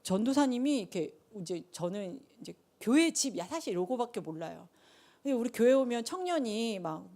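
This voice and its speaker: A middle-aged woman preaches in a relaxed, conversational way, her fairly high voice swooping up and down as she tells the story. She keeps the sermon informal and full of animated asides.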